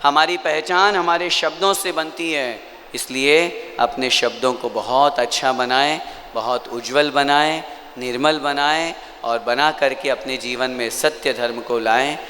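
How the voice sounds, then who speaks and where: Male preacher, Marwar origin; bright, exhorting sermon delivery; long hall reverb, faint background noise. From Marwar region, Rajasthan. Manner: exhorting, drops low and slow on key lines. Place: temple hall.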